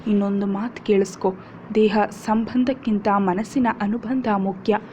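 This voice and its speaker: A woman's voice: medium pitch, fairly even intonation, unhurried, close to an everyday voice. A woman voicing a protective, devoted young husband who speaks firmly, on a dull lo-fi recording with faint hiss. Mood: angry. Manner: firm and scolding, then soft and tender.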